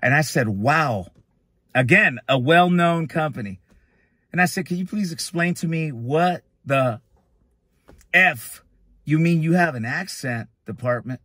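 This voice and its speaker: A man's voice: a little high, animated, measured pace, sharp tone, dry recording. A man with a Chicano accent talking candidly and casually to his viewers about his business, blunt and conversational with the odd swear word. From Northern California. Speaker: lead-generation business owner. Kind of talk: casual talk to camera.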